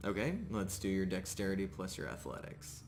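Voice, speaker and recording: A man narrating a live tabletop roleplaying game as game master, often pausing mid-sentence as he describes things. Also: low-pitched, creaky. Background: music.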